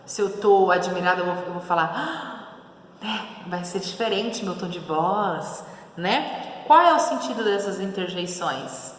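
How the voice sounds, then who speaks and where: A woman's voice: fairly low pitch, expressive, measured pace, a little hiss or hum. A woman who teaches a recorded grammar lesson, reads passages aloud, acts out the tone of the words and keeps checking in with her students. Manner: reads text aloud and acts out the interjections with changing tone. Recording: echoey room, long reverb.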